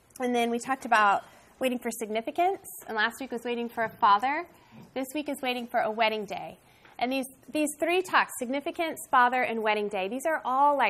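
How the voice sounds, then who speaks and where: A woman's high-pitched voice at a fairly quick pace, with lively intonation. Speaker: Bible study teacher. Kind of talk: teaching talk. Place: home room.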